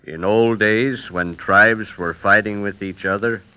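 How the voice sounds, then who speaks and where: An actor playing a solemn Native American witness who gives testimony in terse, broken English for a radio drama. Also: male voice, fairly low pitch, steady tone, smooth, close to an everyday voice. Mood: solemn, explaining. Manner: deliberate, terse broken English without articles. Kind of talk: old radio drama acting. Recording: dull vintage radio recording.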